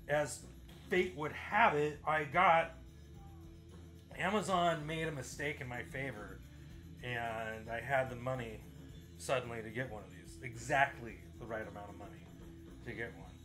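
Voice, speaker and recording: A man in his forties talking casually to camera as a vlogger, rambling, repeating phrases for emphasis and swearing offhand. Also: medium pitch. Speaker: vlogger and musician. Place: small bedroom home studio, indoors.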